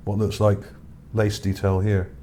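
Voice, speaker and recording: In a completely flat, unhurried delivery, a man with a lowish, dark-toned voice comments casually on images he gathered for his video. He sounds hesitant and reflective, speaking without a script. Noise sits in the background.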